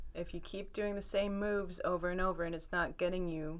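A woman speaks with an American accent. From Chicago. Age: 20s. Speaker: rock climber and outdoor store worker. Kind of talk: casual chat. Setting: studio.

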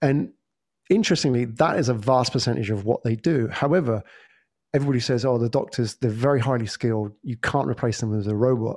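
A man with an English accent talks very fast at a medium pitch, with ordinary pitch variation. The recording is very clean, with a silent background. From England, Portsmouth. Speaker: podcast agency founder and entrepreneur. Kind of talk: interview conversation.

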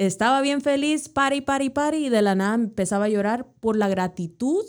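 A woman with a Honduran accent talks at a fairly slow pace with ordinary pitch variation. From Honduras. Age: 20s. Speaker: social worker. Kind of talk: interview.

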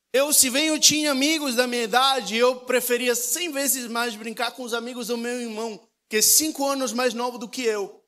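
In a Uruguayan accent, a man uses a raised, projected voice at an extremely high pitch. He keeps a moderate pace with fairly even intonation. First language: Spanish (speaking Portuguese). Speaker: preacher. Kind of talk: sermon. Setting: church.

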